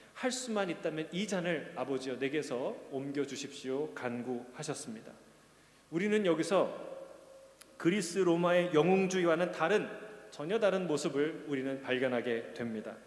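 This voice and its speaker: Earnest male pastor in an echoey hall. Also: fairly high pitch. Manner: earnest, questioning, rising to emphatic peaks. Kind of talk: sermon. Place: church sanctuary.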